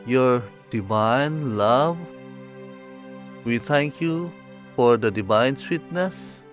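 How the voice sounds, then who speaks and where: A man with an Asian accent, a meditation master leading an invocation in reverent, deliberate short phrases. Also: on the high side. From Philippines.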